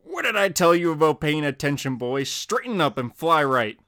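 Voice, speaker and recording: A man voicing a stern, gruff middle-aged father in an amateur comic reading. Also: fairly high pitch, very animated, moderate pace, sharp tone, no room sound, studio quality, pitched above the performer's own voice. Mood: scolding. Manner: gruff, scolding.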